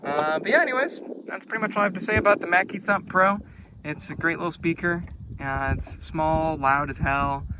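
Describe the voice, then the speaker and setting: Casual male product reviewer, slightly high gravelly voice, laid-back and hesitant, unscripted. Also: moderate pace, noisy background. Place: outdoors on a boat on a lake.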